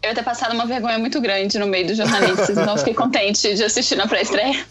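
A woman's voice: on the high side, steady tone, quick pace, loud music behind the voice. A woman with a Brazilian Portuguese accent, talking casually about film as a podcast panelist.

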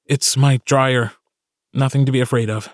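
A man voicing a gentle, slightly nervous young male human scholar with a light, friendly tone. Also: medium pitch, fairly even intonation, normal speed, no room sound, clean studio sound, natural voice.

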